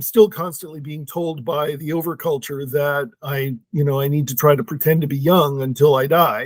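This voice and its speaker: Recorded very cleanly against a silent background, a man speaks at a fairly slow pace with fairly even intonation in an ordinary speaking voice. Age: 60s. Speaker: author and activist. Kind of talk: podcast interview.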